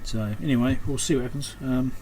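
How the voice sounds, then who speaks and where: A little fast and fairly even in intonation, a male electronics repairer and video host speaks in a medium pitch while doing hands-on work at an indoor bench. His commentary is casual and unscripted, thinking aloud and trailing off mid-thought. Background noise and room ambience are clearly audible.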